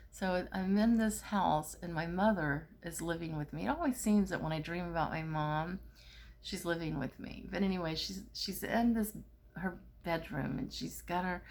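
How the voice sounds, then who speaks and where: Gravelly-voiced middle-aged woman telling a story. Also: fairly low pitch. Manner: rambling, many fillers and restarts. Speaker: spiritual therapist. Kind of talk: casual storytelling.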